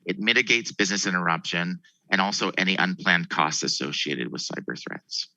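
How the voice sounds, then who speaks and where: A man speaking as a company executive on an investor call, presenting and answering questions in a halting way with repeated words. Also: low-pitched, sharp tone, no room sound, poor audio.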